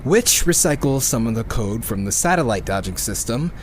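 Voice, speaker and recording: Man acting a weary programmer with animated pitch. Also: moderate pace, slight background noise, natural voice. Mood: weary, explaining. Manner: exasperated, swearing, sighing. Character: frustrated sweary male programmer on a doomed earth. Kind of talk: audio drama monologue.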